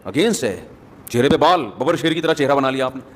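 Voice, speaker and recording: A man's voice: mid-range voice, background noise. Male preacher, echoing hall. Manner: conversational, joking asides to the audience. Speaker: Islamic preacher. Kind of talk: sermon. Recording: long hall reverb, faint ambience.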